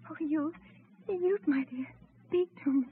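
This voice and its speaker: A man's voice: extremely high pitch, measured pace, slight background noise. A man voicing a breathless young sweetheart. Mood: anxious. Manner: breathless, pleading. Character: young woman, tender sweetheart. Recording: tinny old radio broadcast.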